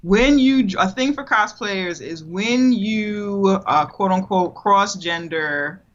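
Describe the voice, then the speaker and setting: A woman's voice: mid-range voice, slow, muffled recording, a little hiss or hum. A woman in her thirties, a podcast guest chatting expressively over a video call from a home room. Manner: chatty, expressive, laughs easily. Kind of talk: casual conversation.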